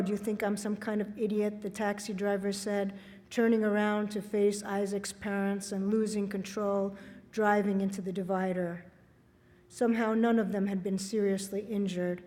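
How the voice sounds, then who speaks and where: Woman, author reading fiction aloud, warm mellow tone, measured delivery, long hall reverb. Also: medium pitch. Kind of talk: public reading of literary prose. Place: library event space.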